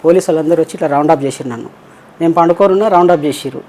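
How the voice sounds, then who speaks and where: The voice is mid-range and warm, delivered rapid-fire by a transgender interview guest with a Telangana Telugu accent. In casual storytelling, the guest rambles through long personal anecdotes and acts out what others said.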